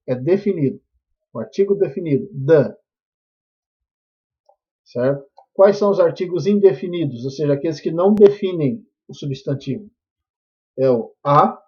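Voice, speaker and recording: A man's voice: a little high, mellow, husky, muffled recording. A man with a Brazilian Portuguese accent, a teacher patiently explaining a lesson to his class and often checking that they follow. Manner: patient, checks in constantly with tag questions.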